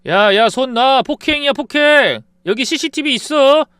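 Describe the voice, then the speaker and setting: Man playing a brazen scheming friend, high and shrill, taunting, very lively swings, dry sound. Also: unhurried, no room sound, heavily acted. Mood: smug. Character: smug scheming male friend, middle-aged.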